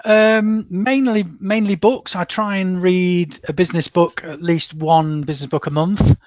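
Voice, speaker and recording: A middle-aged Englishman with a lilt talks in a chatty, hesitant way, often doubling words before he finds them. His voice sits a little high for a man. The sound is dry and a bit muffled, with no room around it. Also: fairly even intonation, unhurried, a little mellow, no room sound. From England. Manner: hesitant, repeats words, self-deprecating laughs. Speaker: guest. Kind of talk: casual podcast interview.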